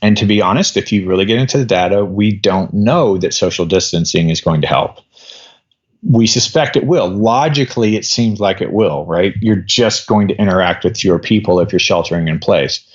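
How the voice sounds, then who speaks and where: A man's voice: deep voice, moderate pace, dull audio. A man in his fifties explaining at length in a podcast interview, rambling with many restarts. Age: 50s. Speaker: guest doctor.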